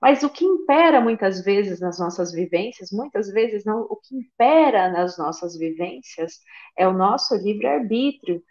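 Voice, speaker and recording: A woman delivers a religious lecture over a video call, her voice at a middle pitch. She leans on frequent tag questions and repeats her phrases for emphasis, pausing to read passages aloud. The audio comes through muffled and lo-fi. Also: expressive, a little mellow. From Brazil. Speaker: lecturer at a spiritist center. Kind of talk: religious lecture given online.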